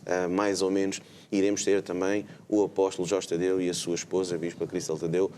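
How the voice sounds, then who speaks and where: A man's voice: sits low, level tone, brisk, dark tone, slight background noise. A man with a European Portuguese accent hosting a live religious TV program, talking with many hesitant filler sounds. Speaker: host.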